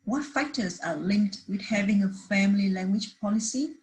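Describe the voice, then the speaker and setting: A woman's voice: medium pitch, moderate pace, darkish tone, a little hiss or hum, rough recording. A woman presenting a research paper at a conference, reading steadily from prepared slides with the odd restart.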